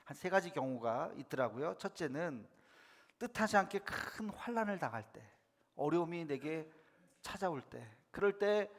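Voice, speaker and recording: A man's voice: on the high side, animated, normal speed, long reverb tail. A man preaching a sermon as pastor, speaking emphatically and asking the congregation questions. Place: church sanctuary.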